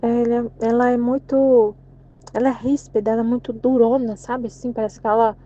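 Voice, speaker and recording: A woman's voice: a little high, little pitch movement, normal speed, mellow, lo-fi sound. A woman sharing a casual religious reflection in a conversational way, restarting her sentences and acting out quoted speech. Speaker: catholic channel presenter.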